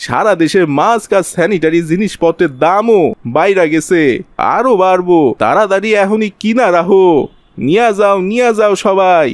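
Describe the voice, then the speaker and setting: A man's voice: high voice, moderate pace, no echo, close to an everyday voice. A man voicing a scheming, wheedling village conman in a cartoon, with a rural Bangladeshi accent. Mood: hawking. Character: scheming male village conman spreading virus rumours for profit. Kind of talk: cartoon character acting.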